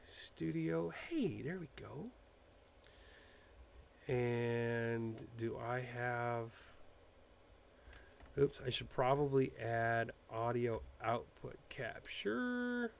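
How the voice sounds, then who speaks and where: A man's voice: mid-range voice, very slow, gravelly, pauses often, a little hiss or hum. A man hosting a casual political live stream, chatting loosely with fillers and restarts, poking fun at public figures. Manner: animated, mocking impressions, frequent fillers and restarts. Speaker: political commentary host.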